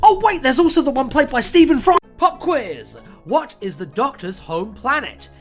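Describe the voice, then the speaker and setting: A woman's voice: high voice, sing-song, normal speed. A woman presenting comedic scripted narration in a tongue-in-cheek, mock-dramatic way. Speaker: video essay presenter. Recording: voice-over with music behind. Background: music.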